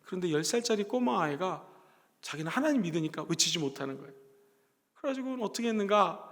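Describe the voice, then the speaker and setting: A middle-aged male pastor giving a lively sermon to a youth service, acting out little dialogues and having the congregation repeat words after him. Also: high voice, fast talker. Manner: animated, acts out dialogue in voices, shouts key lines. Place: church sanctuary. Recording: reverberant church hall.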